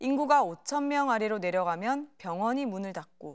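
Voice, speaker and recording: Over a quiet background, a woman's pitch swings very widely as she speaks. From Ulsan, South Korea (born in Busan); South Korea. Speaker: political candidate; candidate. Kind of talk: campaign speech. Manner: formal. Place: studio. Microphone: lapel.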